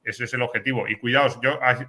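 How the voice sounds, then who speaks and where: A man's voice: mid-range voice, steady tone, fairly quick, bright, forceful tone. A man from Spain explaining an investing course in an earnest, casual panel talk, often restarting words. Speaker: course presenter.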